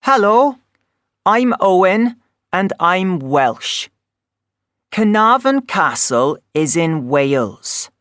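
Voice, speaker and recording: Low, lilting woman speaking slowly. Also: dry recording, clean studio sound. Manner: slow, lilting, clearly articulated speech. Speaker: textbook audio interviewer. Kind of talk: scripted textbook dialogue.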